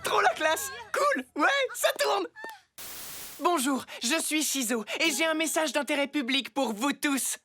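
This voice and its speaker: A woman's voice: high-pitched, lively intonation, a little slow. A woman voicing a cocky, showy teen superheroine in a French cartoon. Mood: excited. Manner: cheeky, self-satisfied. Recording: cartoon audio with loud music.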